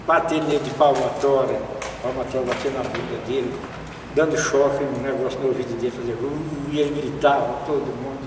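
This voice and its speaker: A man's voice: mid-range voice, steady tone, a little fast. A Brazilian man gives testimony in a mid-range voice. He sounds distant and reverberant, with noticeable ambient noise. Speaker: witness. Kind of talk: personal testimony. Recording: echoey, distant, noisy outdoor ambience.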